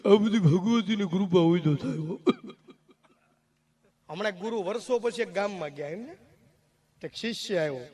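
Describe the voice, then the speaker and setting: A man telling folk comedy stories on stage, quick and full of acted voices. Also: high-pitched, a little mellow, husky. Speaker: stand-up comedian and mimic. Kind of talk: Gujarati folk comedy storytelling.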